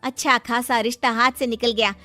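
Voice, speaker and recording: A woman's voice: a little high, fairly even intonation, fairly quick, sharp tone, faint music behind. A woman playing a sarcastic young sister-in-law. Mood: mocking. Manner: sarcastic, needling.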